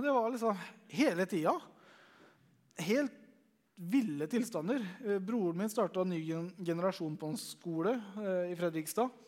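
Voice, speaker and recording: A young man, a Christian youth leader, tells his testimony as a story, chatty and conversational, with lots of fillers. His voice is high and a little mellow.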